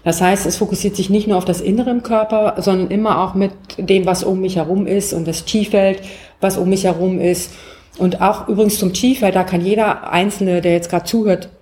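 A woman's voice: medium pitch, steady tone, brisk, dark tone, a little hiss or hum. A woman, a qigong teacher, explaining her method as a guest in an interview, with many filler sounds. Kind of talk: interview over distance.

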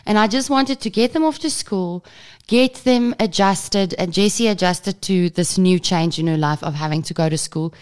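A woman's voice: mid-range voice, moderate pace, a little mellow, clear, resonant tone. A woman in her thirties co-hosting a podcast, speaking casually while nasal and sniffly from a head cold. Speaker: podcast co-host. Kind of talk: casual chat.

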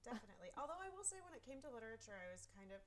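A woman's voice: on the high side, racing. Thirtysomething woman author, first language farsi, chatty and laughy, a bit of faint hiss behind her. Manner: chatty, laughs often, animated storytelling. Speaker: author guest. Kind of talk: casual interview chat.

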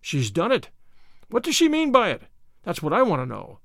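A man's voice: high voice, wildly swooping pitch, moderate pace, gravelly, a bit bright, dry recording, studio quality, heavily acted. A man doing a spluttering, furious stout farmer. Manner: spluttering, blustering. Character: irate stout bald middle-aged male farmer.

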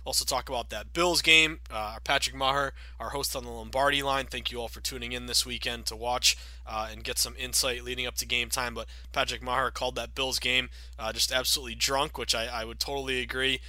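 A man in his thirties hosting a sports betting podcast, chatty and upbeat with many fillers, sounding a bit raspy from a cold. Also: medium pitch, fairly even intonation, a little fast, hardly any pauses, sharp tone, no echo. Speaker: podcast host.

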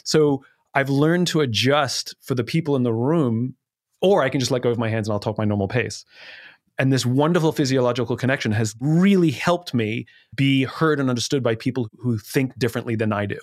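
A middle-aged man talks fast and with energy as a guest, explaining ideas in a relaxed chat. His voice sits at an ordinary pitch. The recording is dry and close. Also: dry recording. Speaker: podcast guest. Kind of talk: casual conversation.

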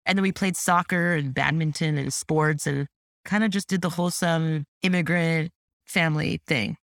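A woman from Canada whose first language is French, talking as an entrepreneur guest in a casual podcast interview, animated and chatty with lots of "like" and "you know". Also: low-pitched, moderate pace, no room sound, studio quality.

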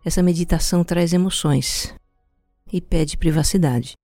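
A Brazilian-accented speaker guiding a meditation in a calm, soothing, unhurried way, leaving pauses between instructions. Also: mid-range voice, dry recording, studio quality, soft background music. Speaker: podcast host guiding a meditation. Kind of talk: slow guided meditation narration.

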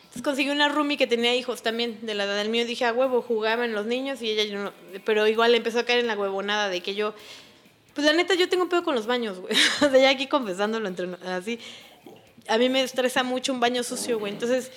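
A woman with a Mexican accent, a mother, telling an animated, slangy story in casual chat and acting out the quotes. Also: a little high, fast talker. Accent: Mexican Spanish. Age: adult, mother of a son.

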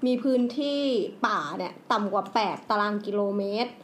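A woman co-hosting a podcast, explaining at length in casual chat, with pauses and fillers. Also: mid-range voice, slight background noise. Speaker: podcast co-host.

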